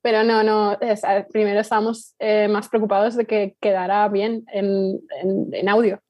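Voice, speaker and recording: A woman's voice: mid-range voice, level tone, normal speed, mellow, dry recording. A woman with a Spain accent chatting casually as a guest in a podcast interview. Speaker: podcast guest, fiction writer. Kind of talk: casual conversational interview answers.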